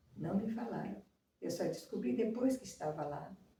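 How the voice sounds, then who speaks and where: The pace is fairly quick. Audible room echo surrounds the voice. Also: woman. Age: 60s. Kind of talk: informal sermon. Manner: halting, with frequent fillers.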